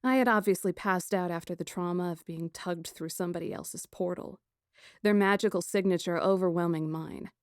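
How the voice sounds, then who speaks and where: A woman reading a first-person fantasy story as an audiobook narrator, dramatic and expressive. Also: on the low side, normal speed, clean tone, no room sound, clean studio sound.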